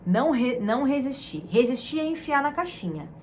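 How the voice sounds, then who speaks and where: A woman from Brazil hosting a self-help talk, speaking in a soft, soothing, emotive way that repeats words. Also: high-pitched, very animated, moderate pace, slight background noise. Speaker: self-help channel host. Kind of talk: gentle motivational talk.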